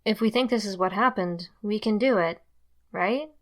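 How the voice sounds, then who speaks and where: A woman's voice: medium pitch, moderate pace, lightly acted. A woman playing an easygoing, unsure companion in an audio drama, casual and tentative. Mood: puzzled, easygoing.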